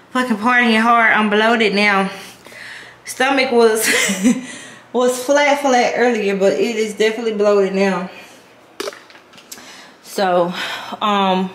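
A woman's voice: mid-range voice, fairly bright tone, slight background noise. Chatty woman vlogging in an echoey room. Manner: chatty, candid, swears freely. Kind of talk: casual vlog chat. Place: hotel room.

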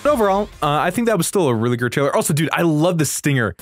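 A young man giving casual, slangy and excitable reaction commentary as a video creator, swearing freely. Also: fairly high pitch, rapid-fire. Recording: music playing behind the voice. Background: game trailer music.

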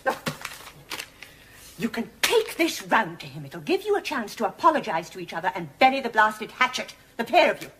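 A woman's voice: medium pitch, sing-song, normal speed, lightly acted. A middle-aged actress playing a long-suffering wife who scolds her husband with exasperated sarcasm in a sitcom. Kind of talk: sitcom acting. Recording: noisy old TV broadcast audio.

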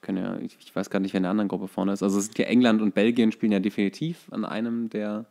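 Low-pitched man with a creaky voice. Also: level tone, rapid-fire, darkish tone. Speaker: podcast co-host. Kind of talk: casual football chat.

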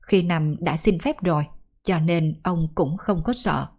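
A woman storyteller narrating a folk ghost story in a measured, even way. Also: lowish voice.

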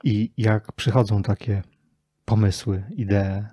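A man's voice: lowish voice, fairly even intonation, slow, mellow, breathy edge, dry recording, studio quality. A man hosting a podcast, putting questions to his guest in a conversational style. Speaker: podcast host, interviewer. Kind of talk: conversational interviewing.

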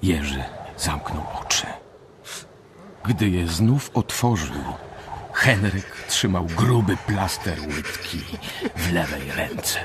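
A man's voice: sits low, lively intonation, takes it slowly. A man narrating a macabre survival tale in a scripted radio play. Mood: storytelling. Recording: clearly noisy radio drama recording.

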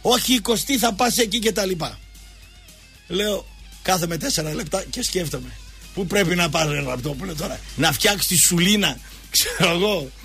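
A man hosting a sports show, telling casual anecdotes and acting out the dialogue. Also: sits high. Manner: animated, acts out dialogue in quotes.

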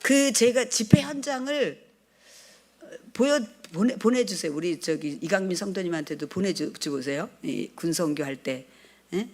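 A middle-aged woman pastor preaching a sermon, telling stories with lively acted-out dialogue and questions to the congregation. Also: fairly low pitch, moderate pace. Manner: lively storytelling, acting out dialogue, asking the congregation.

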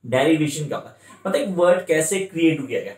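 A man with an Indian accent gives an exam-prep lesson, drawing out his English phrases slowly and circling back to the same points. His voice sits a little high for a man. The room around him rings with echo. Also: animated, a little mellow. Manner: repetitive, coaching, slows right down for English phrases. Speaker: tutor. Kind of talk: exam-prep lecture in mixed Hindi and English. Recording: echoey room.

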